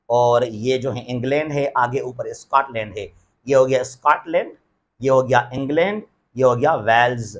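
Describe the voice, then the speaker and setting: A man giving a geography lecture at a map, asking himself questions and answering them, and slowing down for English terms. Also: mid-range voice. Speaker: teacher.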